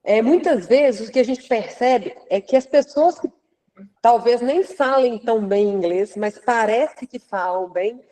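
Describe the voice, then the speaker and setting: A woman's voice: fairly high pitch, unhurried, dark tone, low-quality recording. A woman, hosting an interview and asking long, hesitant questions full of restarts. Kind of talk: casual interview chat.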